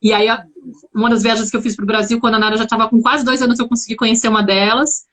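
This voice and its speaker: Chatty São Paulo woman, higher voice. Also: fairly even intonation, fast talker, fairly bright tone. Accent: Brazilian Portuguese, São Paulo. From Brazil. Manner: reflective, chatty, many restarts. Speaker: guest. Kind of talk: casual live-stream conversation.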